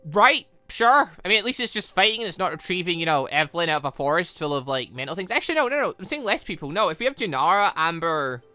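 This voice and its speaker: Animated, bright-voiced man reacting to a game. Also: high voice, quick pace, few pauses, faint music behind. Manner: excitable, rambling reactions. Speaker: gaming video host reading a visual novel aloud. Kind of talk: casual playthrough commentary with dialogue read aloud.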